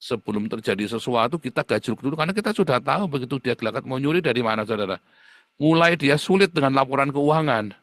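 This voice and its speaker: A man preaching a livestream sermon as pastor, blunt and scolding, with sudden jumps to a high pitch for emphasis. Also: fairly bright tone, no room sound.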